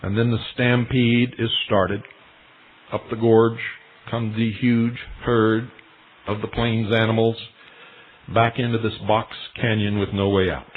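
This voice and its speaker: A man's voice: on the low side, level tone, unhurried. A male radio host giving an earnest, insistent retelling in a talk monologue. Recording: tinny shortwave radio broadcast.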